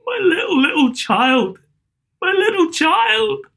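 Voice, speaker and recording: Grief-stricken father near tears, strained high and quiet, male narrator voicing him. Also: expressive, normal speed, vocal fry, heavily acted. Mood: grieving. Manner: choked, breaking with grief.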